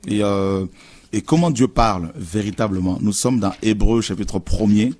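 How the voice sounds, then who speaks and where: A man's voice: lowish voice, normal speed, darkish tone. A man preaching on a Christian TV show, earnest, repeating phrases with many hesitations. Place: TV studio.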